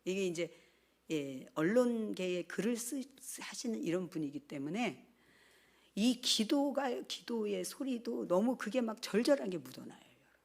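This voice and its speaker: A woman's voice: mid-range voice, moderate pace, creaky. Older woman pastor telling a testimony. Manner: animated storytelling, acting out quoted speech. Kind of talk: sermon testimony.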